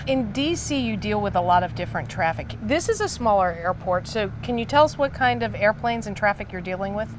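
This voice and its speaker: Woman hosting an interview on location, normal pitch, slight noise behind. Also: expressive, fairly quick, hardly any pauses. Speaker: host.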